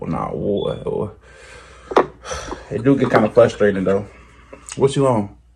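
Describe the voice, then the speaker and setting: Over noticeable background noise, the speaker goes at a fairly slow pace with long, frequent pauses. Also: man. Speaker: prank streamer. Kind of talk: prank video chat. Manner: casual slangy; fake stutter.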